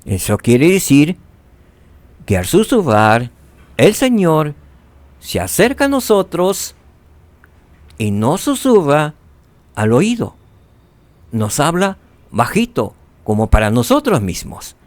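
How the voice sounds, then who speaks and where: A man teaching a scripture lesson, asking rhetorical questions and dropping to soft tones for emphasis. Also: on the high side, huge pitch swings, takes it slowly, pauses often, no echo.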